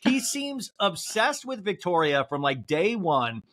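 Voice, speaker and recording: A man in his forties hosts a casual pop culture chat from a room at home, speaking over a video call. His voice sits a little high for a man, and he talks in an animated, joking way. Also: unhurried. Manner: animated, jokes, mimics celebrities in a high voice. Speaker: podcast host. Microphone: video call with earbuds.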